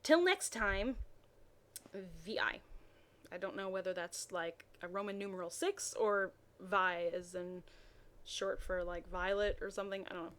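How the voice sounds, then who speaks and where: A woman's voice: mid-range voice, a little slow, a bit bright. A woman reading fanfiction aloud, breaking off into casual, hesitant, wry asides. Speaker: reader mocking bad fanfiction.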